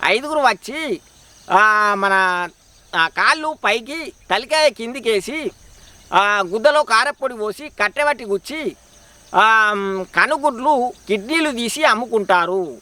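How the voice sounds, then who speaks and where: A man's voice: very high-pitched, animated, measured pace, long pauses, pushed and bright, dry recording, exaggerated voice. Man voicing a pleading Telangana village wife. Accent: Telangana Telugu. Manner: pleading, insistent.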